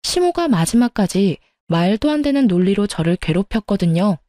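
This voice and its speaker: A woman narrating a personal story in a steady, matter-of-fact way. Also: medium pitch, moderate pace, no room sound, clean studio sound. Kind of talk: scripted narration.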